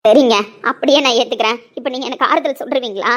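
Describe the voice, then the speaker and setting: A woman playing Keerthana, high-voiced pleading lover. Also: fast, lightly acted. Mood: reproachful. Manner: pleading, repeats herself insistently. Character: young woman in love, desperate and hurt. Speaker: lead character in an audio drama. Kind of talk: emotional Tamil audio-drama acting.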